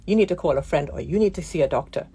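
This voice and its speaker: Woman doctor on the radio, super raspy gravelly croak, low mellow voice, slow careful explaining. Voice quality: croaky, from a nerve injury to the vocal cord. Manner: calm, explanatory, pauses often. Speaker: interview guest, physician. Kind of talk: radio interview.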